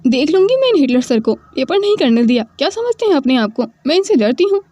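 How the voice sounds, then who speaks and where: A woman's voice: sits high, sing-song, fast, warm tone, no echo. A woman voicing a dramatic young female student who complains in a whiny, indignant way. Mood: tearful.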